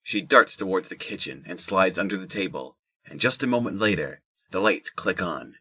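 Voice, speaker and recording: A man with a husky voice reading scripted narration for an audio drama. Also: sits low, lively intonation, moderate pace, sharp tone.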